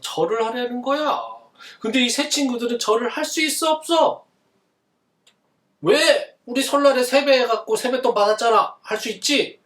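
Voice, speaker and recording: A male pastor giving a children's sermon, asking the kids questions and answering them himself in an animated way. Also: extremely high pitch, echoey room, recorded from a distance. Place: church.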